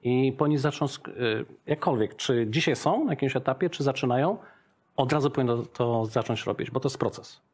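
A man's voice: medium pitch, a little fast, darkish tone, husky. A middle-aged man speaks as an interview guest and explains his ideas through examples. He talks in a chatty way and keeps adding a questioning "tak?" to his points. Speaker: interview guest, business owner. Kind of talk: casual business interview.

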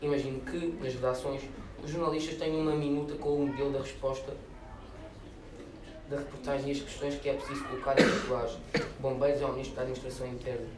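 A man reading a humorous prose excerpt aloud with a brisk, wry delivery. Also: mid-range voice, little pitch movement. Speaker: reader at a reading event. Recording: echoey room, distant mic, noisy.

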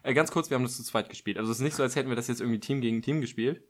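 A young man co-hosting a podcast in a relaxed chat, often laughing as he talks. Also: medium pitch, rapid-fire, slight background noise. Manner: laughing, easygoing, chatty. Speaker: podcast co-host. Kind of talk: casual chat.

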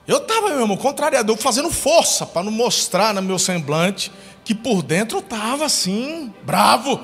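A man's voice: high voice, very animated, normal speed, a bit bright, husky, big-room sound, soft background music. A man preaching a sermon as pastor, telling a story with acted-out quotes. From Brazil. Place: church hall.

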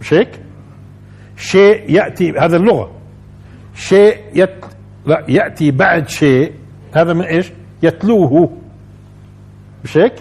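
Husky-voiced man teaching religion. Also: on the high side, moderate pace, long pauses, a little mellow. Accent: Levantine Arabic. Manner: explains by repeating phrases and asking the audience questions. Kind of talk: Quran commentary lesson.

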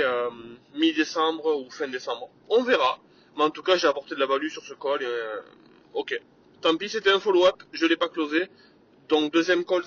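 A man's voice: a little high, a bit bright, muffled recording, slight background noise. A man hosting his own podcast, talking energetically in a casual solo monologue, with lots of fillers and bits of English sales jargon. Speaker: podcast host.

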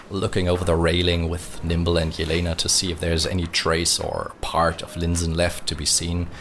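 A man's voice: sits low, vocal fry, fairly bright tone, slight background noise. A man improvising descriptive narration of his character as a player in a tabletop role-playing game.

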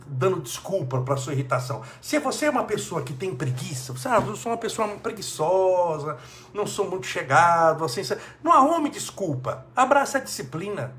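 A man giving an emphatic, preachy motivational talk, rising in pitch when he scolds excuses. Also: a bit bright, slight background noise. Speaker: spiritual motivational speaker.

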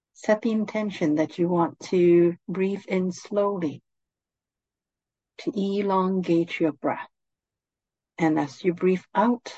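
Calm, gentle meditation guidance comes from a woman whose fairly low voice soothes as she takes her time, moving at a very slow pace. There's no echo; the recording is dry and slightly dull.

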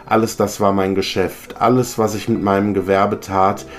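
A man voicing the tormented, chained ghost of an old business partner, speaking gravely and lamenting. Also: lowish voice, little pitch movement, moderate pace, natural voice. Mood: mournful.

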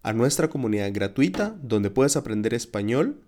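Lively Spanish teacher man hosting a podcast. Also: mid-range voice, moderate pace. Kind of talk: scripted podcast lesson.

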